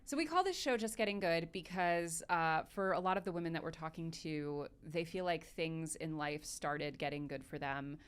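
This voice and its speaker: Lady host w a lowish voice, jokey and chatty, asks questions casually. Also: moderate pace, hardly any pauses, clear, resonant tone. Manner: chatty, joking interviewer. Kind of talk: casual interview talk.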